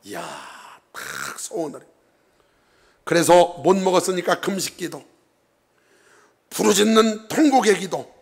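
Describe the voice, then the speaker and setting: A male pastor preaches a lively sermon, often stopping to ask his congregation questions. His voice sits high and has a gravelly, husky edge. He swings between loud emphasis and quiet asides. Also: measured pace, long pauses. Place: church.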